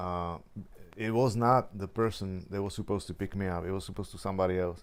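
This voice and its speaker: In a Czech accent, a man talks very fast at a very deep, low pitch with fairly even intonation. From Czech Republic. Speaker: vlogger. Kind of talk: personal storytelling monologue. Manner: halting, many fillers and repetitions.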